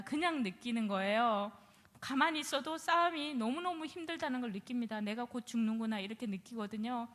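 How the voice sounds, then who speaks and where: A woman gives a personal testimony about her past as a shaman, telling the story animatedly and acting out the things she used to say. Her voice sits high, and the recording has a long hall reverb.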